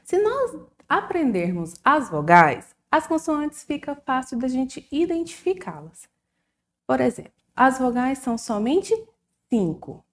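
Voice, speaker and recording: Slow, lively Brazilian woman teacher. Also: high-pitched. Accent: Brazilian Portuguese. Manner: slow, sing-song, drawn-out syllables for young pupils. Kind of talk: recorded children's lesson.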